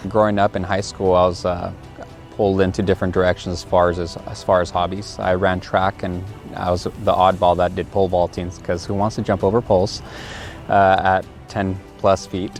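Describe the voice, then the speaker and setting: Relaxed officer, spanish native, deep voice, music faint. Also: male voice, normal speed. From Oregon. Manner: relaxed, self-deprecating, chatty. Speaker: police officer. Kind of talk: recruitment video interview.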